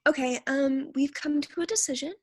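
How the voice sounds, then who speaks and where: A woman's voice: high voice, fairly even intonation, normal speed, slight background noise, natural voice. A woman playing a smug, territorial mean girl who leads a club, haughty and taunting in a comedy sketch. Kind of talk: comedy sketch staged reading.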